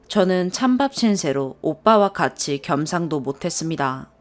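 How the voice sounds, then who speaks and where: A woman narrating a first-person story in a calm, even reading voice. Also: fairly low pitch. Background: soft background music.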